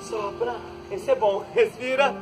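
A Brazilian man leading an outdoor stretching class, giving calm breathing cues and joking lightly as he moves the group through each pose. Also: very high-pitched, unhurried, low-quality recording. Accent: Brazilian Portuguese. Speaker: fitness instructor. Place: outdoor court, large open space. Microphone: far camera on the ground. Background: background music.

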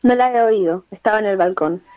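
A woman's voice: mid-range voice, fast talker, dark tone, lightly acted. A woman acting a fed-up, defiant young daughter in an amateur radio play, with an Argentine accent. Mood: annoyed. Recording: dry, dull lo-fi recording.

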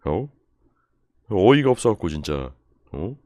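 A young man live-streaming, ranting in exasperation and going over the same point again and again with sudden shouts. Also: deep voice, sing-song, a little slow, no echo, clean studio sound. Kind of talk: casual live-stream rant.

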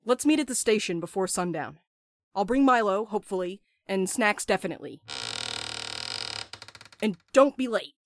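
A woman's voice: medium pitch, lively intonation, normal speed, pauses often, slight background noise, lightly acted. A woman playing a restless, blunt courier in an audio drama, urgent and sardonic, eager to escape. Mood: eager, insistent.

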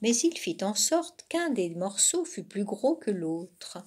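Expressive woman reading a fairy tale. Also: medium pitch, slight background noise. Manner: slow, expressive storytelling. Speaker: volunteer storyteller. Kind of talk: reading a children's tale aloud.

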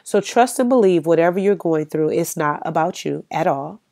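Stuffy woman podcaster, low voice, chatty and encouraging, lots of ums. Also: lively intonation, moderate pace, gravelly, mellow. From United States. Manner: encouraging, conversational, frequent ums. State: stuffy from a cold. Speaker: podcast host. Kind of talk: solo podcast talk.

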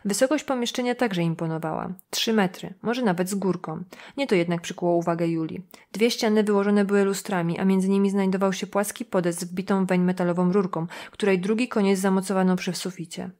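A woman narrating a crime novel as an audiobook. Her reading is even and measured, with a mid-range voice. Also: medium pitch. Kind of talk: scripted narration.

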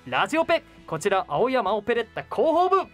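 A man's voice: very high voice, wildly swooping pitch, fairly quick, a bit bright, soft background music. A young man hosting a radio show in a small studio, reading listener mail politely and laughing easily. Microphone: studio microphone on arm.

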